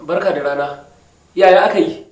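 High-voiced bossy official with a Hausa accent played by a man. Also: a little fast, darkish tone, close to an everyday voice. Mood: stern. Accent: Nigerian Hausa. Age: middle-aged. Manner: brusque, demanding. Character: bossy, grasping male school official. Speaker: actor in TV drama. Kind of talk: TV drama acting. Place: small bare office indoors. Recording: echoey room.

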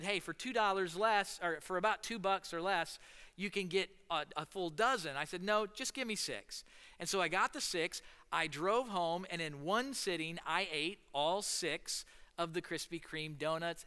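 Seated on a stool on a church stage in front of a large screen, a Midwestern American pastor in his thirties preaches a casual, story-driven sermon, gesturing animatedly with his hands. His voice is fairly high and smooth, trailing a long reverb tail.

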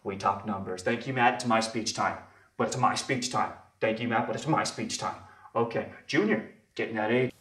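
A man playing a smarmy salesman uncle hijacking a family Christmas toast, low and insistent. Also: moderate pace, a bit bright, distant mic, close to an everyday voice. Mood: pushy. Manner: low, pushy, repetitive. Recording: roomy echo.

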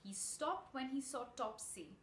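Young female children's storyteller, high lively voice, unhurried, expressive, in a roomy home recording. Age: young adult. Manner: expressive, addresses young listeners with questions. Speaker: children's story reader and host. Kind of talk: read-aloud children's storytelling with asides. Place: small home room, indoors. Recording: roomy echo with audible background noise.

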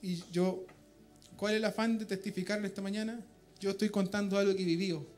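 A man's voice: high voice, steady tone, fairly quick, a little mellow, faint music behind. A man with a Chilean accent giving a fervent testimony to a church congregation, often calling out to his brothers in faith. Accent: Chilean Spanish. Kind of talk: emotional spoken testimony in church. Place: church meeting room.

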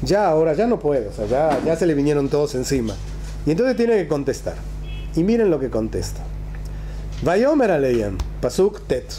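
A man's voice: fairly high pitch, very animated, normal speed, dark tone, a little hiss or hum. A man, a rabbi teaching a religious text in a conversational way, with rhetorical questions and emphatic repetition. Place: small classroom, indoors.

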